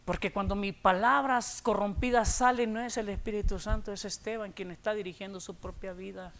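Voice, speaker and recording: A man with a Mexican Spanish accent delivers a sermon in a church, his voice high-pitched and bright. He preaches with fervor, swinging between loud emphatic declarations and low, confiding asides. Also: steady tone, fairly quick. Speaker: pastor. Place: church sanctuary.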